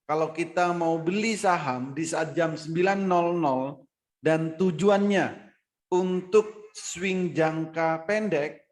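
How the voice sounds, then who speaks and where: A man with a somewhat high voice explains stock trading slowly and steadily, repeating his points. His voice comes through a video call and keeps cutting out over a weak connection, so the sound is choppy. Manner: measured and explanatory, repeating phrases with "ya" and "gitu". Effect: choppy audio breaking up over a poor internet connection. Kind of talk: online class lecture. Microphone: computer or phone mic on a video call.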